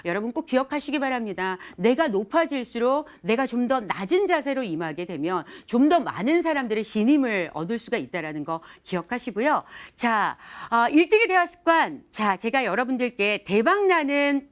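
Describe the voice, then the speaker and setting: Lively, high-voiced woman lecturing on TV. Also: moderate pace, few pauses. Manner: lively, sing-song delivery with acted example phrases. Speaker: lecturer on communication. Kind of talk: television lecture. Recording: TV studio lecture.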